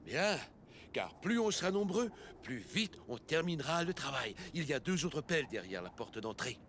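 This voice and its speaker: A man playing a kindly old grandfather in a children's cartoon, encouraging and gently instructive. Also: on the high side, big pitch swings, normal speed, slight background noise. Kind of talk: French-language children's cartoon dialogue.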